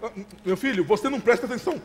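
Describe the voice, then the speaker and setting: A man's voice: very high-pitched, very fast. A man playing a fussy, chuckling father. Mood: lecturing. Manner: chuckling, repeats himself, lectures. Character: fussy, overbearing middle-aged father giving advice. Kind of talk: amateur stage play. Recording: reverberant hall.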